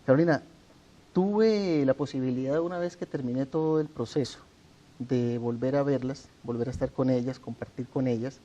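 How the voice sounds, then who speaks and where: Dark-voiced Colombian man, earnest. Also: medium pitch, lo-fi sound. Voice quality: measured, earnest, formal address. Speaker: interview guest, author. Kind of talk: sit-down TV interview.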